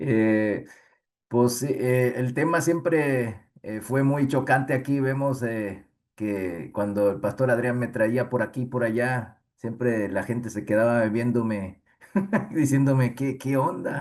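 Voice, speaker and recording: A man's medium-pitched voice at a very slow pace. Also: ordinary pitch variation. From Argentina, Korean family. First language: Korean (speaking Spanish). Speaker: pastor. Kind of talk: video call interview. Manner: hesitant, many fillers.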